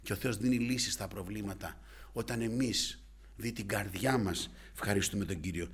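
A man preaching a sermon with fervent delivery, swinging from hushed asides to loud exclamations and often adding short interjections. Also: on the low side, slightly rough.

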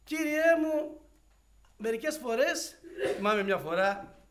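A man preaching an evangelical sermon, shifting between hushed storytelling and loud fervent exclamations and acting out dialogue. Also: extremely high pitch, lively intonation. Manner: acts out dialogue in quoted voices.

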